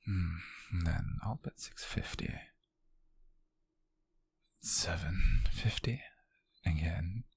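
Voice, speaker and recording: A British man playing a possessive, calculating nobleman in an intimate ASMR roleplay, speaking in a soft, menacing, condescending murmur close to the mic. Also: very slow, long pauses, dry recording, exaggerated voice. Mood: intrigued, calculating. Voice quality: breathy, husky, gravelly low murmur. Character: possessive, calculating noble man who buys captives at auction. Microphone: close mic, dry.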